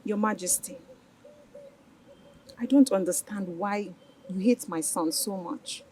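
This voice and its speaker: A woman's voice: mid-range voice, takes it slowly, mellow, slight background noise, close to an everyday voice. An actress playing a protective queen and mother who pleads and accuses. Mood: aggrieved.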